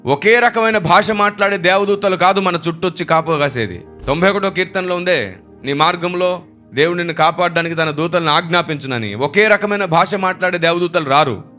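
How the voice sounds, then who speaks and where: A man's voice: high-pitched, a little fast, sharp tone, faint music behind. A man preaching a sermon, emphatic and repeating phrases for stress. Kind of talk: Telugu sermon.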